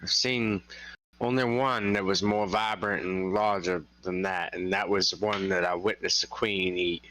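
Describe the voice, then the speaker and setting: A man with a low voice and a bright tone, playing a tabletop game in casual, slightly halting speech. His sound is dry and close. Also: steady tone, dry recording, low-quality recording. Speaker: player. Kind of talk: in-character tabletop game play.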